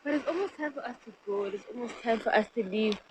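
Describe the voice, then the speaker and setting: Higher-voiced woman on noisy radio. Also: fast. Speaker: radio presenter. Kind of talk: chatty live radio presenting. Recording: noisy FM radio played through small speaker.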